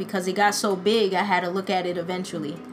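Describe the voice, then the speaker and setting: There is noticeable background noise. Through it, a woman talks with an American accent. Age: 20s. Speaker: podcast host. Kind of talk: casual interview conversation. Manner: animated, laughs often.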